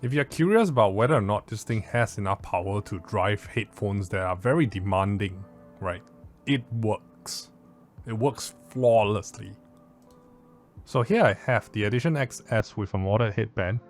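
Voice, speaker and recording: A man's voice: fairly low pitch, normal speed, soft background music. Blunt Southeast Asian man reviewing gear. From Southeast Asia. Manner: blunt, informal, mildly sweary. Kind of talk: casual product review.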